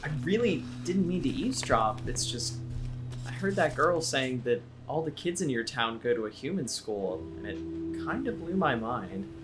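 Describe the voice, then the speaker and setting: A man's voice: mid-range voice, big pitch swings, normal speed, over music, lightly acted. A man playing a blunt, curious young small-town guy in an audio drama, with casual, folksy talk. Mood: sheepish, curious.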